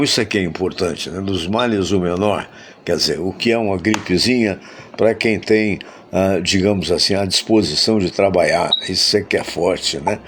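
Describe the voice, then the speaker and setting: Brazilian male host with a stuffed-up nasal voice, low-pitched, folksy, over a video call. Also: a little hiss or hum. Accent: Brazilian Portuguese. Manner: folksy, chatty, many "né?" tags. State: stuffy nose from a flu shot. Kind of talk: casual sports chat.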